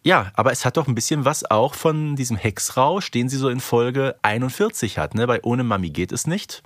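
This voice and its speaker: A man's voice: mid-range voice, lively intonation, normal speed, fairly bright tone, no room sound, clean studio sound. A man co-hosting a podcast in casual chat. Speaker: podcast co-host.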